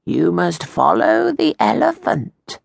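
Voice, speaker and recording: A woman reading a storybook, voicing a mysterious old fortune teller who speaks slowly and teasingly. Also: medium pitch, big pitch swings, vocal fry, no room sound, pitched above the performer's own voice, exaggerated voice. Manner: slow, drawn-out, teasing delivery.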